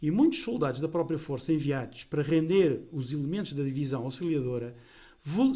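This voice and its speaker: Male lecturer, mellow timbre, slightly raised pitch, measured and deliberate. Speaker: historian lecturer. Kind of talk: scripted history talk.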